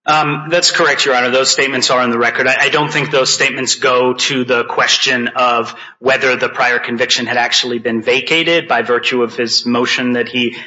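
A man argues formally as an appellate lawyer, deferential to the bench. His voice is bright and forceful at a middling pitch. The audio is dull and lo-fi. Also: steady tone, brisk, few pauses. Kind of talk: formal oral argument.

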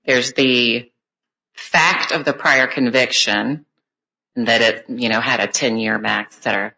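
A man presides as judge, speaking plainly and clarifying step by step from the bench. His voice is bright and sharp. The recording is dull and lo-fi. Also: mid-range voice, fairly even intonation, unhurried, vocal fry. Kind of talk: questioning counsel from the bench. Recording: dull lo-fi courtroom audio.

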